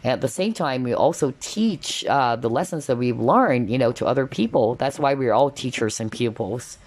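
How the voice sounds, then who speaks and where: A woman's voice: a bass voice, lively intonation, moderate pace, a little mellow. A woman reading tarot cards in a casual, spiritual style, often checking in with little tags like okay and all right. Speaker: tarot card reader, host.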